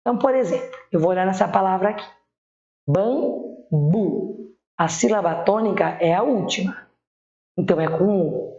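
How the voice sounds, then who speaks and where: A woman with a Brazilian accent teaching primary school children spelling, patiently sounding out words slowly. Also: mid-range voice, darkish tone. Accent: Brazilian Portuguese. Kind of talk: online spelling lesson. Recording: echoey room, dull lo-fi sound.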